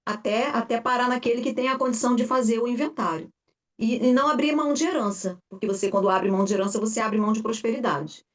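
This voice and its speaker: A woman facilitator giving an informal teaching talk, animated and full of fillers, often acting out her clients' voices. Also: on the high side, fast talker. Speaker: family constellation facilitator. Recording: voice distant from the mic.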